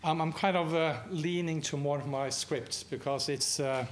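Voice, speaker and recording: A man's voice: on the high side, steady tone, moderate pace, a little hiss or hum. Norwegian man giving a hesitant guest lecture. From Norway. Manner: hesitant, many fillers and restarts, joking with the audience. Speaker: guest speaker. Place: lecture hall.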